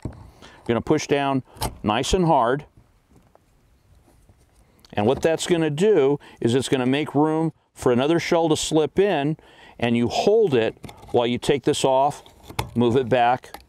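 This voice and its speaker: A man's voice: medium pitch, darkish tone. A middle-aged man, hosting a firearms demonstration and explaining each step plainly. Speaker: host.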